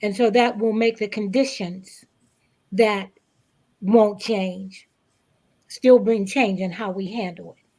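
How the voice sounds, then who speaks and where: A woman guest speaking reflectively in a panel interview, with emphatic, deliberate phrasing and pauses. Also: mid-range voice, steady tone, warm tone. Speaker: stage play cast member, guest.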